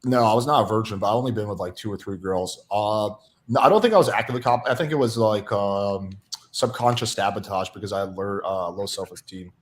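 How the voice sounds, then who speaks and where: A man's voice: lowish voice, fairly quick. A young man from Russia on a podcast, casually telling candid, self-deprecating stories about his past. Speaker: podcast guest. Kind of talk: casual chat.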